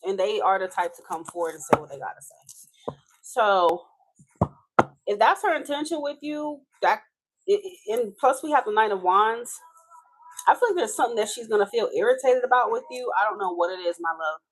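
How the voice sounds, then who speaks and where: A woman's voice: mid-range voice, animated, fairly quick, low-quality recording. Chatty Haitian-accented tarot reader woman. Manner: casual, chatty, swears and laughs often. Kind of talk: live tarot reading.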